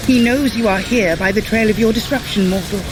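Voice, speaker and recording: A woman's voice: medium pitch, brisk, lightly acted. An actress playing a resolute, regal female guardian, formal and encouraging in a fantasy audio drama. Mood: grave. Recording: clear outdoor-like ambient noise. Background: ambient noise.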